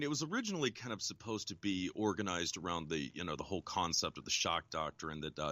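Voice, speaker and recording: A man being interviewed as an author, explaining at length in a measured way with many ums. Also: sits low, bright, forceful tone, no room sound. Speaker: guest author. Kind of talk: interview answers.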